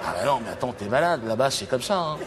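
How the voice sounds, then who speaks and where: A man from Cameroon performing a provocative stand-up monologue on a theater stage, breaking into loud exclamations. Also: mid-range voice, very animated, fast. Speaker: stand-up comedian. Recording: noisy live show recording.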